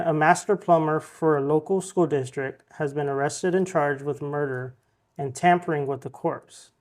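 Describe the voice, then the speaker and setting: A man with a somewhat high voice hosts a podcast. He casually reads out headlines and recaps them in a relaxed way, with frequent ums and uhs. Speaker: podcast host reading news.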